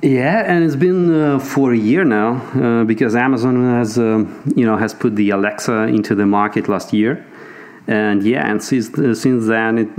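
Russian-accented man, lower voice, hesitant. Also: darkish tone. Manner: hesitant, many fillers and restarts. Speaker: guest, tech company CEO. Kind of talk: casual interview talk.

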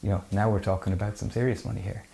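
Deep-voiced west of Ireland man, slightly gravelly. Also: steady tone, rapid-fire, warm tone. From County Mayo, west of Ireland. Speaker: architect, interview guest. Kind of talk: conversational explanation.

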